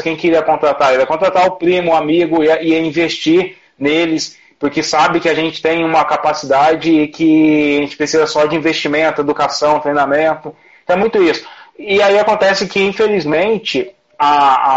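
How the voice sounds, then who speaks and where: A man with a Brazilian Portuguese accent, speaking passionately in a conversational discussion, restarting his phrases. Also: a little high. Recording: dull lo-fi audio.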